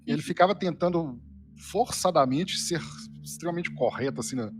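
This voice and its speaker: A man's voice: a little high, expressive, moderate pace. A Brazilian man chatting casually as a panelist on a reaction show. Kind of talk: casual chat. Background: music.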